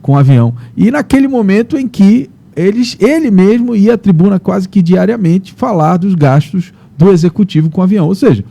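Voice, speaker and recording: A man's voice: high-pitched, lively intonation, brisk, vocal fry, few pauses, warm tone. A man hosting a morning news show, commenting in a conversational way, often tagging his sentences with questions. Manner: conversational, frequent "né?" tags and repetitions. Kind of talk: casual on-air commentary.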